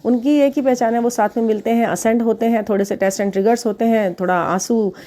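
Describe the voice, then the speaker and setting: Mellow-voiced woman giving chatty spiritual advice. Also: fairly high pitch, steady tone, fast. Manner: chatty, laughs at own examples, addresses viewers directly. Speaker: spiritual relationship reader. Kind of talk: casual advice talk to viewers.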